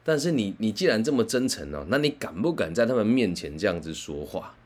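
A man, a career counselor telling a story in an animated, conversational way. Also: lowish voice, a little fast. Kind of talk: storytelling talk.

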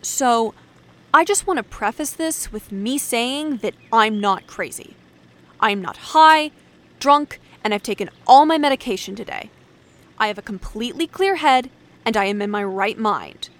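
A woman's voice: a little high, animated, normal speed, lightly acted. A woman playing a sardonic, defiant doctor in an audio drama, talking in a wry, profane, emphatic way. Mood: defiant, insistent.

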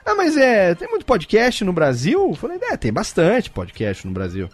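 A man's voice: high voice, normal speed, faint music behind. A Brazilian man, a podcast host, telling a story to friends in casual chat, acting out both sides of a conversation. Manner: animated, acts out both sides of a dialogue.

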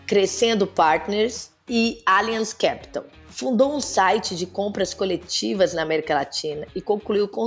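A woman hosting a podcast, reading a guest's introduction and then opening the interview in a friendly, measured way. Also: lowish voice. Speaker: podcast host.

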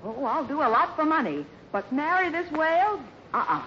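Scheming lady con artist, American, very lively pitch, theatrical, old-time radio villainess. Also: normal speed. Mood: scheming, impatient. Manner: theatrical, gushing, sharply commanding. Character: scheming female swindler, gushing sweetheart act, bossy underneath. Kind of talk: 1950s radio adventure acting. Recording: noisy, dull 1950s radio recording.

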